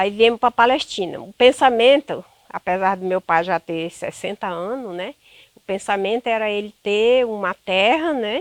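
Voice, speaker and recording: This is an ordinary speaking voice from a woman, medium in pitch with ordinary pitch variation, at a fairly slow pace. Her loudness swings widely, in a dry, close sound with no echo over a quiet background. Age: 60s. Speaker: local resident, farmer's daughter. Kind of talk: oral history interview. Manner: conversational, frequent 'né?' tags.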